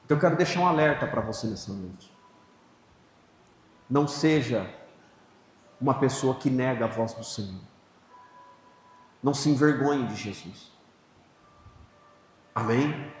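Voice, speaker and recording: A man with a Brazilian Portuguese accent preaching as a pastor, telling a personal story and breaking into loud shouted prayer. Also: mid-range voice, animated, a little slow, long pauses, a little hiss or hum. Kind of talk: sermon. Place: church hall. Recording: echoey church hall.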